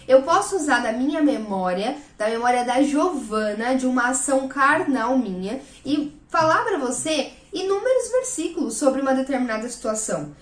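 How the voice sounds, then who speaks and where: High-voiced earnest woman teaching faith. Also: reverberant. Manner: earnest, emphatic, addresses viewers directly. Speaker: Christian video host. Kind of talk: casual teaching talk.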